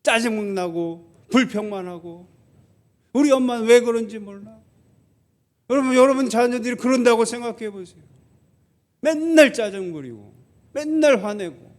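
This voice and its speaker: A male pastor delivers a sermon in a fairly high voice. He keeps posing rhetorical questions to the congregation. Now and then he slips into the whiny tones of complaining children to make his point. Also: moderate pace, pauses often. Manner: acts out quoted grumbling children in a higher voice.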